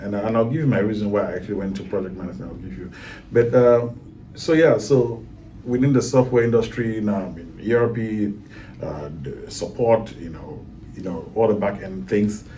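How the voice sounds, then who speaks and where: A man's voice: on the low side, normal speed, warm tone, distant mic, slight background noise, poor audio. A man from Cameroon, a guest in a casual talk, speaking with many fillers and restarts. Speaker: guest, IT project manager.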